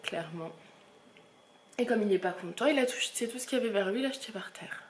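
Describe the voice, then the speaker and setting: A woman's voice: mid-range voice, expressive, fast talker, slight background noise. A woman, a mother, casually narrating her day at home to the camera in a family vlog.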